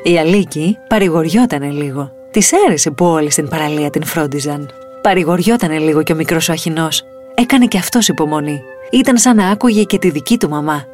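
A woman reading a children's picture book aloud in an expressive, lilting storytelling voice. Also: sits low, faint music behind.

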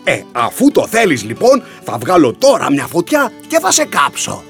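A man's voice: high-pitched, wildly swooping pitch, gravelly, fairly bright tone, soft background music, pitched above the performer's own voice, exaggerated voice. A man voicing a small, lazy, boastful male dragon in a children's story, blustering and threatening. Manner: blustering, threatening, then whining. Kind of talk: storybook narration.

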